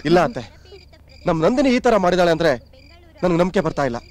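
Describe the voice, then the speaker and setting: An actor playing a loyal, earnest son-in-law who calms and pleads for the family. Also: male voice, high voice, fast. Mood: reassuring. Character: loyal young son-in-law, calm and reassuring.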